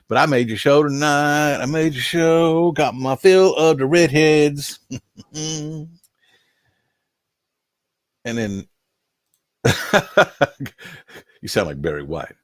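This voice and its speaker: A man's voice: medium pitch, no echo, clean studio sound. An older man hosting a casual live stream, rambling in a folksy way and reading out viewer names, a little nasal from allergies. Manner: rambling, folksy, chuckling asides.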